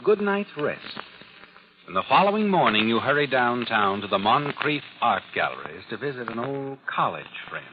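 A man's voice: mid-range voice, very animated, normal speed, background noise, close to an everyday voice. A man playing an all-knowing, taunting narrator of crime tales on 1940s radio, insinuating with needling questions. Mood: taunting, ominous. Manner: insinuating, second-person questioning. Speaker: narrator and host. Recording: muffled old radio, loud music behind.

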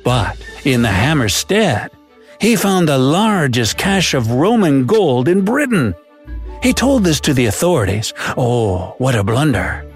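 In this scripted narration, a man voices a jolly old pirate spinning yarns about lost treasure, full of pirate slang and a theatrical drawl. His mid-range voice has a sing-song lilt and a slightly slow pace, with soft music in the background.

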